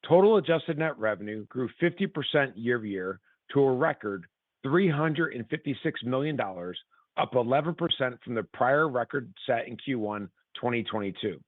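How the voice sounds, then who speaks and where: A man's voice: medium pitch, animated, moderate pace, no echo. A man reading a scripted earnings presentation as a company executive, in a formal, businesslike manner. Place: conference call line. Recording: tinny phone-line sound.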